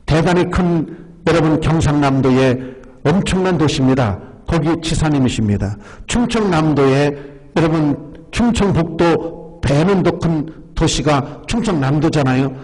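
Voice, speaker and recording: A man's voice: fairly high pitch, animated, unhurried, a little mellow. A male pastor preaching a sermon, emphatic and repeatedly calling out to the congregation. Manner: emphatic, often addresses the congregation. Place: church sanctuary. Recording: long church-hall reverb.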